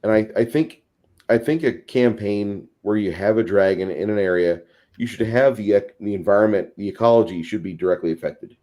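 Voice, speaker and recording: A man's voice: lowish voice, fairly quick, mellow. A man in a casual panel discussion, explaining at length in wordy, slightly formal phrasing. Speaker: tabletop gaming discussion panelist.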